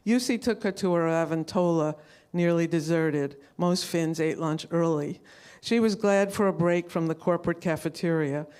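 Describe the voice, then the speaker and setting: A woman's voice: low-pitched, darkish tone. A woman reading literary prose aloud at a live event, as an author who adds informal asides. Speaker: author reading from own novel.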